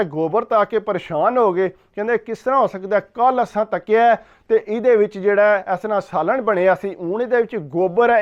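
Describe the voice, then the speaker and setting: High-voiced Pakistani Punjabi male storyteller. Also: smooth. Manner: repeats "he said" before each line of the tale. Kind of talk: retelling a ghost story in Punjabi. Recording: dull, lo-fi recording.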